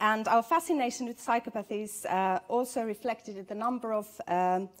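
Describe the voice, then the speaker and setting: Speaking fairly quickly with a Finnish accent, a woman uses a fairly high pitch, ordinary pitch variation and big swings in loudness. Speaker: professor. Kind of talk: lecture.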